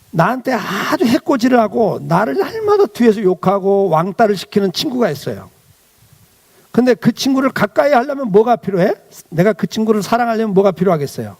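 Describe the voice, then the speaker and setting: High gravelly-voiced male pastor. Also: a little mellow. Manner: asks the children questions and answers them. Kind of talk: children's sermon.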